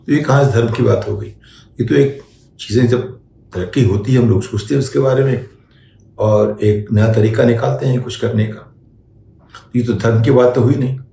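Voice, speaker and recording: An older man giving spoken opinion commentary as a show host, deliberate and measured, often posing rhetorical questions. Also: medium pitch, vocal fry, warm tone. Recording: echoey room, faint background noise.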